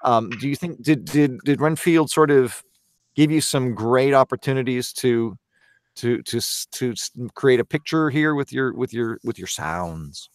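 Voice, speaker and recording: A man hosting a podcast, chatting casually and haltingly with many restarts. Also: medium pitch, lively intonation, no echo, studio quality. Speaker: podcast host. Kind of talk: casual chat on a video call.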